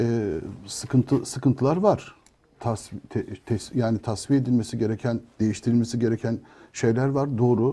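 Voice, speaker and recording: A man's somewhat breathy voice with a dark, mellow tone, medium pitch, ordinary pitch variation and a moderate pace. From Istanbul, Turkey. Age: 50s. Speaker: football club presidential candidate. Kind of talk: TV interview.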